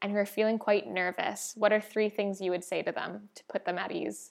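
A woman talks at a moderate pace, medium in pitch. She has a normal speaking voice. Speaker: podcast host. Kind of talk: casual interview chat.

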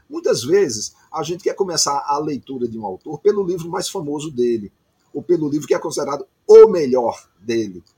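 Big swings in loudness, lively intonation and a dark, mellow, somewhat breathy tone at a moderate pace, with a dry, close sound and no echo. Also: man, fairly high pitch for a man. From Brazil, Northeast (Campina Grande, Paraíba). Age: 70s. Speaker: writer and literary critic. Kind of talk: interview conversation.

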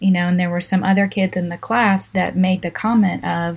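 At a moderate pace, a woman talks in a medium-pitched, somewhat breathy voice with monotone, flat intonation. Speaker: mother and educator. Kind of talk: interview.

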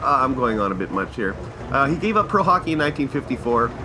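A man with a Canadian accent speaks at a moderate pace. His pitch swings very widely over noticeable background noise. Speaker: podcast host. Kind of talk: casual comedic monologue. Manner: irreverent, chatty.

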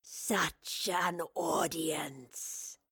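A woman's put-on, growling character voice, husky and rough-edged with a fairly bright tone, low in pitch and fairly even in intonation, at a very slow pace. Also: very clean recording, silent background.

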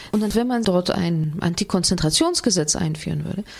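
A woman at a moderate pace with lively intonation, over noticeable background noise. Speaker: journalist and commentator. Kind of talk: radio discussion programme. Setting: studio.

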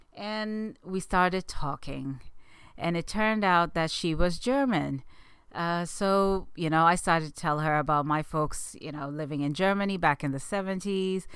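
Recorded very cleanly against a silent background, a woman with an unremarkable speaking voice talks at a fairly slow pace and fairly low pitch, with ordinary pitch variation. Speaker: podcast host. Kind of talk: solo monologue, personal commentary.

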